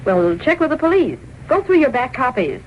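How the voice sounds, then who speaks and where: An actress playing a brisk, wisecracking secretary at a newspaper office in a 1930s radio drama, heard on a hissy, muffled old broadcast. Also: female voice, high voice, sing-song. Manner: brisk and sassy.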